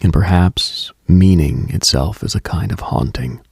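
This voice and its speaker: A man hosting a late-night mystical radio show, delivering a scripted monologue in a hushed, contemplative, brooding manner. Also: low-pitched, expressive, a little slow, creaky, slightly rough, dry recording, studio quality.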